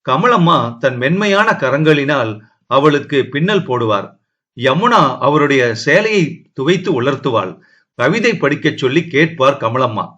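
A man narrating a novel as an audiobook in a measured, steady storytelling manner. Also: fairly high pitch, dull audio.

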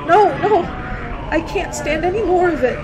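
A young woman playing a frightened, pleading college girl in a suspense radio play, with halting, repetitive delivery. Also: extremely high pitch, expressive, crowd noise, noisy background. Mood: panicked. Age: young adult. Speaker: radio drama actor.

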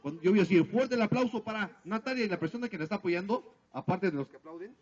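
A man's voice: high voice, lively intonation, darkish tone. A silly party clown, a man, works an outdoor crowd over a handheld microphone. He is playful and showy, stretching out his announcements. The camera audio is dull and lo-fi. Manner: silly, playful clown showmanship with drawn-out calls for applause. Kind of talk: live children's party entertainment, running a contest on microphone. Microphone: handheld microphone over PA, filmed by distant camera.

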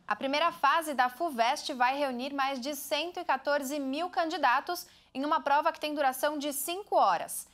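A woman's voice: sits high, moderate pace, hardly any pauses, a bit bright. A young Brazilian woman in her twenties delivering a scripted TV news report. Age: 20s. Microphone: lapel.

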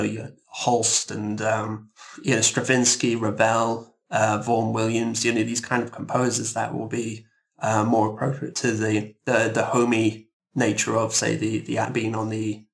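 A man with a fairly low voice and plenty of vocal fry talks as a guest at a roundtable. His intonation stays rather even. He is reflective and halting, often doubling back on his words. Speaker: composer interviewed as a guest. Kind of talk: thoughtful roundtable discussion.

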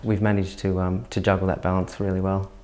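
A man, speaking as a winemaker in a filmed interview, measured and dotted with fillers. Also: sits low, little pitch movement, a little mellow. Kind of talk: documentary interview. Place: indoor winery tasting room. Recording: music bed underneath.

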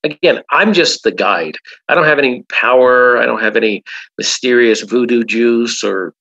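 A man's voice: mid-range voice, normal speed, creaky, fairly bright tone, highs cut off. A man, a hypnotherapist guest in an interview, talking emphatically and often repeating "absolutely". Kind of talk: casual interview talk.

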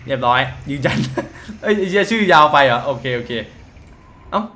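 This fairly high-pitched male voice is animated, bright and forceful, moving at a normal speed against slight background noise. It's casual let's-play commentary on a mobile game: he reads its lines aloud and keeps up crude, profane, joking banter.

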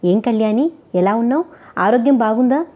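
A woman voicing an evasive, short-tempered wealthy husband who talks smoothly and then snaps. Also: fairly high pitch, lively intonation, normal speed, warm tone. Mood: coaxing.

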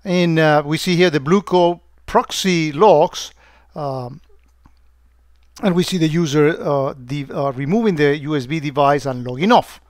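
A man walking through a security software demo on screen, talking loosely with many "uh"s and restarts. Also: fairly high pitch, a little slow, no echo, clean studio sound. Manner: hesitant, many fillers and restarts.

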